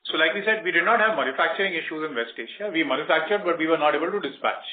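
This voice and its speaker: A man with an Indian accent, a company executive giving measured, explanatory answers on an earnings call. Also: lively intonation, a little hiss or hum. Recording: roomy, muffled low-bandwidth conference line.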